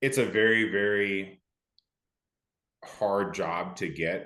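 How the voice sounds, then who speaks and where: The background stays quiet as the speaker talks with an American accent. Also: man. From California. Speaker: competitive shooter and soldier. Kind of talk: podcast interview. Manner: monotone; laid-back.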